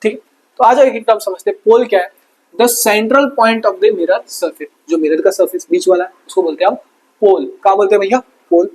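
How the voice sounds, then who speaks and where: A young male teacher with a high, husky voice runs an online lesson. He keeps firing each term back as a question and drops in playful asides between points. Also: fast, dark tone, poor audio. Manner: repeats terms as quiz questions, joking asides.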